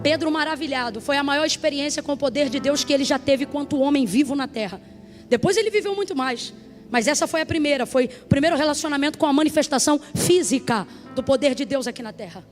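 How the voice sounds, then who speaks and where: High-voiced woman preaching a sermon. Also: faint music behind. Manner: emphatic, conversational, slows words down for emphasis. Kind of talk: sermon with personal testimony.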